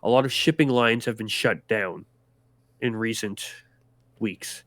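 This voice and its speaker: A man's voice: lowish voice, unhurried, fairly bright tone, no echo. A man narrating as game master of a tabletop role-playing game, describing the world in a casual, rambling way.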